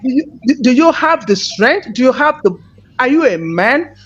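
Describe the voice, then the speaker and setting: A woman's voice: sits high, sing-song, normal speed. A woman host, confronting a caller in heated call-in commentary and firing repeated questions. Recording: dull lo-fi, faint noise.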